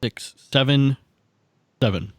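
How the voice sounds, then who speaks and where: This man talks as a tabletop game player, casual and repetitive as he thinks out loud. His voice is mid-pitched and the recording is dry and close. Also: takes it slowly, no echo. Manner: repeats himself, thinking aloud. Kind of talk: casual chat during a roleplaying game.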